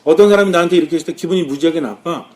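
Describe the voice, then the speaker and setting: A Catholic priest delivering a sermon in a somewhat high voice. He keeps throwing questions at his listeners and answers them himself. His delivery swings between lively, louder bursts and soft, low asides. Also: very fast. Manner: lively, rising and dropping with emphasis.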